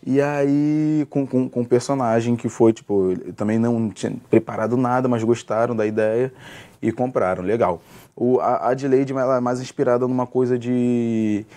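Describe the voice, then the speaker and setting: A young man, a stand-up comedian telling stories in a casual interview, with many restarts. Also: medium pitch. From Rio de Janeiro, Brazil. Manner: fast, relaxed storytelling with many restarts and fillers.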